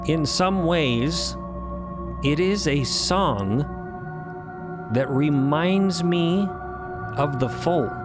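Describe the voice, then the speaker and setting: A man voicing a masked, enigmatic wizard who speaks slowly and formally in narrative audio fiction. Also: fairly high pitch, lively intonation, voice pushed up. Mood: musing. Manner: slow, deliberate, formal. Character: Mother Artifice, masked male fold wizard, measured and enigmatic. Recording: music behind the voice.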